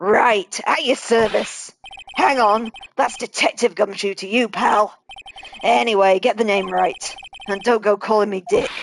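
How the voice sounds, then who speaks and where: A gravelly, put-on character voice moves at a moderate pace in a dry, close sound with no echo. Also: woman, fairly high pitch for a woman. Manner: gruff, indignant.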